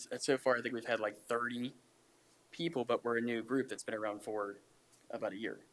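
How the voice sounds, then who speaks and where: Speaking at a fairly quick pace with a medium pitch, the man leaves long, frequent pauses. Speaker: nonprofit representative. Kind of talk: public hearing testimony. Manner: fast.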